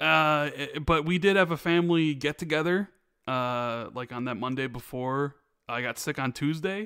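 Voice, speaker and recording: A man with an American accent speaks in a bright, sharp tone at a fairly high pitch for a man, with ordinary pitch variation, on a very clean recording with a silent background. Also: moderate pace. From US Midwest, Chicago. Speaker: gaming podcast host. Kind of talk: casual chat.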